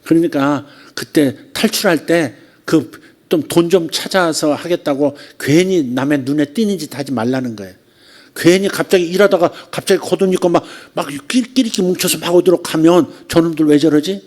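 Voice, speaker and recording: A man's voice: on the high side, darkish tone. A man, a pastor, preaching a sermon in a conversational way, asking rhetorical questions and acting out quoted lines. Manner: acts out quoted lines with drawn-out repetitions.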